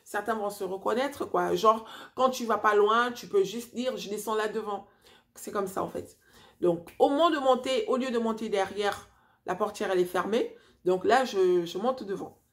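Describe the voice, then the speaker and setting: A woman in her forties from Africa, telling a personal story to her viewers in a chatty, animated way with many fillers and restarts. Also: medium pitch, moderate pace. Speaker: vlogger. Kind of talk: casual storytelling to camera.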